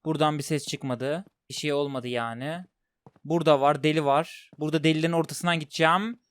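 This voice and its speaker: A man's voice: a little high, steady tone, fairly quick, smooth, no echo, clean studio sound. Jumpy male gamer narrating his play. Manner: talks to viewers while playing, jumpy and loud when scared. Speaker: gaming streamer. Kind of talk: horror game let's play commentary.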